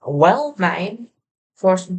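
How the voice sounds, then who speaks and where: A livestreamer casually reacting to a video, talking in halting stretches and thinking aloud. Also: medium pitch, very animated, vocal fry, a little hiss or hum. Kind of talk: casual live reaction chat.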